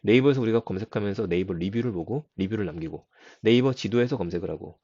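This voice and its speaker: A slightly hoarse man hosting a daily IT news show, chatting casually with listeners and explaining with asides. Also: fairly low pitch, fast, mellow, dry recording, lo-fi sound. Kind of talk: casual spoken IT news commentary.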